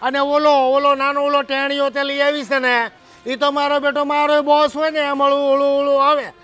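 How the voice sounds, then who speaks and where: An actor plays a loud Kathiyawadi village farmer with a very high, bright voice. He berates his wife in a shouting, scolding way, always hot-tempered, as in a village family drama. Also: monotone, normal speed, faint music behind. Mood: complaining. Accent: Kathiyawadi Gujarati. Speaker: husband and farmer.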